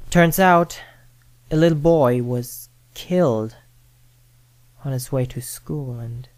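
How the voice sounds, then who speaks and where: A woman narrating a first-person scary story in a dramatic, deliberate manner with suspenseful pauses. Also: very deep voice, a little mellow, no echo. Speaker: horror story reader. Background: background music.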